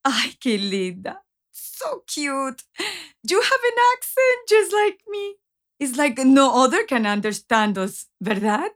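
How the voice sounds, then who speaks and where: An excitable, brash Latina receptionist at a hair salon for an audio comedy. The voice is very high, with Spanish-accented English. Spanish exclamations keep bursting into the broken English. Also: female voice, slow, heavily acted. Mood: bubbly, friendly. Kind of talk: comic audio drama acting.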